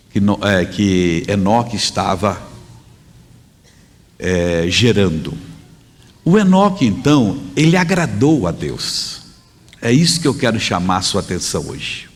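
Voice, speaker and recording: Man, preacher, conversational emphatic sermon, lively rise and fall, long hall echo. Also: lowish voice, a little slow, pauses often. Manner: conversational, emphatic, self-correcting.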